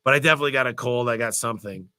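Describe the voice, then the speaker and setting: Stuffy-nosed man, bright energetic voice. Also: mid-range voice, very fast. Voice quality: stuffy, nasal. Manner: energetic, motivational, rambling. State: congested with a cold. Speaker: host of a business Q&A livestream. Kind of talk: live Q&A answering viewer questions.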